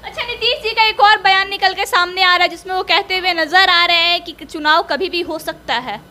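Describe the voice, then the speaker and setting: A woman's voice: extremely high pitch, normal speed, sharp tone. A woman interviewing a politician, pressing with probing follow-up questions.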